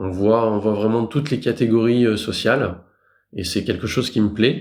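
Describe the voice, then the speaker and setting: At a moderate pace, a man speaks in a normal speaking voice, medium in pitch with fairly even intonation. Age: 40s. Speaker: senior relocation assistant. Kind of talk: interview testimony.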